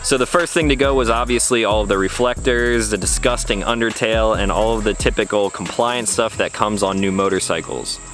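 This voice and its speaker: A man speaks over clear background music, the sound dry with no echo. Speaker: motorcycle vlogger. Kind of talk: casual vlog chat.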